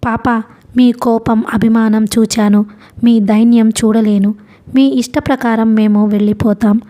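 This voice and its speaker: A woman's voice: fairly high pitch, little pitch movement, a little slow, mellow, lightly acted. A woman reading the part of a defiant young daughter who speaks earnestly and pleadingly to her father, in an audiobook.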